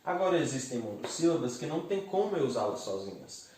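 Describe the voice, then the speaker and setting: A man's voice: medium pitch, very animated, fast talker, a little mellow, slight background noise. A male teacher explaining a grammar lesson step by step and often checking in with his students. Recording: echoey room, mic set far off.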